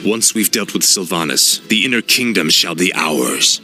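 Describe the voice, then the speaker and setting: A man's voice: low-pitched, lively intonation, moderate pace, music in the background. An actor voicing a cold, arrogant male death knight commander, grim and commanding. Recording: loud game soundtrack behind.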